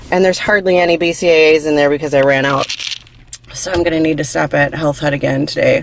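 Over light background noise, a woman speaks very fast at a very deep, low pitch, the sound dry with no echo. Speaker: vlogger. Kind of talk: casual vlog chat. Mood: amused, chatty storytelling. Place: car. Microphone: phone near.

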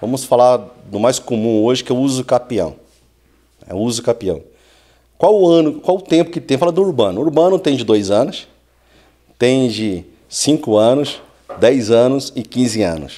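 At a moderate pace, a man with a dark, mellow tone and medium pitch speaks with very wide pitch swings and long, frequent pauses. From Paraná, Brazil (Campo Largo, near Curitiba). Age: 40s. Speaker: lawyer. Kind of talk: interview on real estate law.

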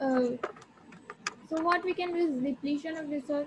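A soft-spoken woman's voice, high-pitched with ordinary pitch variation, over noticeable background noise. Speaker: student tutor. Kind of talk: lecture. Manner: halting.

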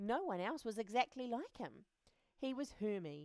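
Lively intonation marks this unforced reading voice. Behind it the background stays quiet.

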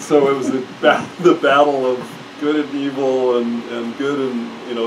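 A man speaks at a fairly slow pace with fairly even intonation. There is noticeable background noise. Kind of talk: talk. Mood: amused, storytelling. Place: shop.

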